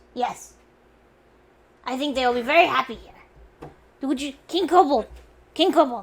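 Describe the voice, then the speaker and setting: A woman puts on a character voice, pitched high and delivered at a moderate pace with long, frequent pauses. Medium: actual play. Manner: simple broken speech, eager.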